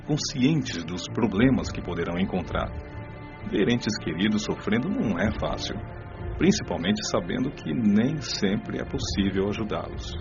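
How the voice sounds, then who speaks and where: Wise spirit guide , male actor: lowish voice, calm, instructive, radio drama, music clearly behind. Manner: instructive, composed. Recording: dull lo-fi audio with clear music.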